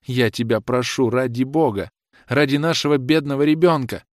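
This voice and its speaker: A man's voice: mid-range voice, fairly quick, no room sound, clean studio sound, lightly acted. A man voicing a young kept woman who defends herself and pleads with her lover. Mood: pleading. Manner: defensive, then pleading and tearful. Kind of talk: audiobook character reading.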